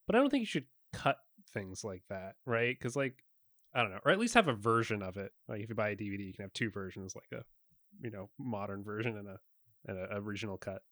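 A young man co-hosting a casual film podcast, relaxed and laughing often. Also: lowish voice, fast, no room sound, clean studio sound. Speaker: podcast co-host. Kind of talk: casual film review chat.

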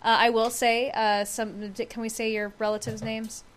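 A woman's voice: a little high, flat delivery, normal speed, a little hiss or hum. A woman co-hosting a podcast in casual chat, with many hesitations and fillers. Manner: hesitant, filler-heavy, amused. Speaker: podcast co-host.

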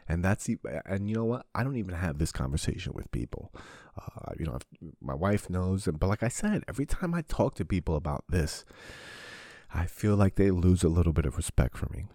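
A man hosting a podcast, crying as he opens up in a halting monologue, swearing often and restarting his sentences. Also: sits low, sing-song, warm tone, no room sound, studio quality. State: crying, sniffling. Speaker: podcast host. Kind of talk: emotional confessional monologue.

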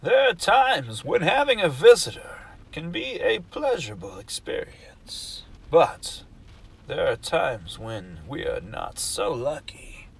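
A man hosting a horror radio show, shifting between lively calls and hushed, theatrical whispers as he sets up each story. His voice is husky and gravelly, and he speaks slowly. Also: on the high side. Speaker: host.

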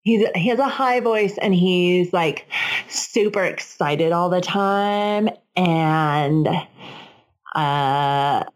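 Lower-voiced woman playing a gushing teenage girl. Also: extremely slow. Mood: eager.

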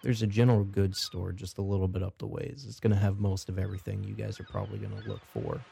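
A man's voice: low-pitched, expressive, quick pace, gravelly, warm tone, faint music behind, heavily acted. A man voicing a stern, curt recruiter dressed in black garb in a tabletop game. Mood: grudging.

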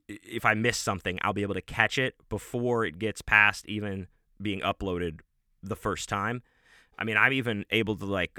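A man's voice: lowish voice, sharp tone, dry recording, studio quality. A man hosting his own show, talking casually and at length with many restarts and fillers, and swearing now and then. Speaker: podcast host and audiobook narrator. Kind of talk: casual rambling monologue.

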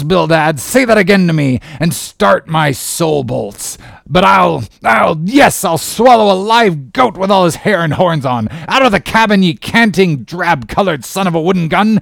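Roaring, high-pitched old sea captain. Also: male voice, dry recording, studio quality. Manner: roaring, explosive, archaic seafaring speech. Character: blustering, hot-tempered old sea captain and shipowner. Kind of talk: audiobook character voice.

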